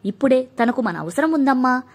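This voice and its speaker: A woman voicing an earnest, injured young married man who pleads gently but firmly. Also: high-pitched, animated, brisk. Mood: pleading, firm. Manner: pleading, firm.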